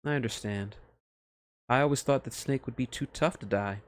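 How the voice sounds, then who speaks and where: A man voicing a gentle young princess, caring and earnest with a teasing streak, in a story read aloud. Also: mid-range voice, moderate pace, lightly acted. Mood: sad, earnest.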